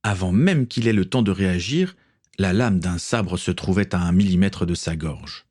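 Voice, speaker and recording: Expressive low-voiced male narrator. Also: normal speed. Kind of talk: audiobook narration.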